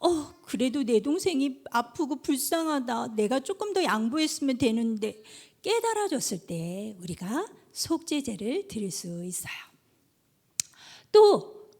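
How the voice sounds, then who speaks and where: High, lively woman preaching to children. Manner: animated storytelling, addresses children directly. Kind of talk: children's sermon.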